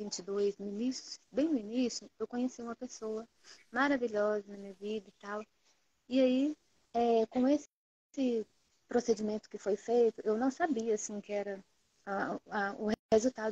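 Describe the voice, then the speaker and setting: A woman with a fairly high, dark and mellow voice speaks at a fairly slow pace with fairly even intonation, big swings in loudness, and long, frequent pauses, the sound dry with no echo. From Goiás, Brazil. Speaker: viewer asking a medical question. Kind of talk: live Q&A. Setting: Instagram live stream. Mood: earnest, somewhat hesitant. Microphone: earbuds.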